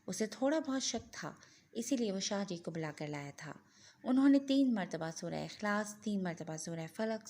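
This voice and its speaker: A woman reads a serialized romance novel aloud for an audiobook. Her mid-pitched delivery stays steady and dramatic, carrying the tension of each scene. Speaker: audiobook narrator. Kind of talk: scripted novel narration.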